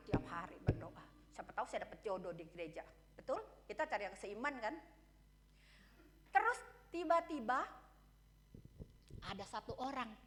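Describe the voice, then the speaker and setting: A woman's voice: sits high, a bit bright. A woman pastor preaching a sermon in a candid, conversational way, often asking the congregation questions. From Indonesia. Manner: asks the congregation questions, frequent "ya" and "betul?"; candid and conversational, shares personal stories.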